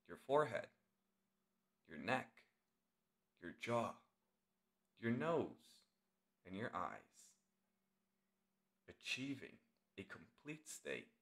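A man leading a guided meditation as the instructor, speaking in short, deliberate phrases with long pauses. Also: medium pitch, sing-song.

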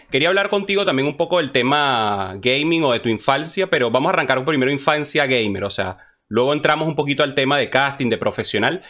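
A young man speaks over a headset from his home streaming room, hosting a video-call interview. He keeps it friendly and brisk, nodding along with "claro" and "muy bien.". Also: mid-range voice, a bit bright. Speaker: interview host.

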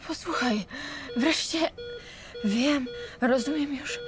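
An actress playing a frail, tender, wondering woman in a radio drama, speaking faintly and haltingly. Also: sits high. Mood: awed. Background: music.

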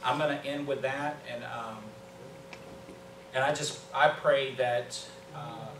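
A man in his fifties with an American accent preaches a sermon earnestly, with emphatic pauses and repetition. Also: mid-range voice, fairly even intonation. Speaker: pastor. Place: small church sanctuary, indoors. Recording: roomy, distant mic with background hum.

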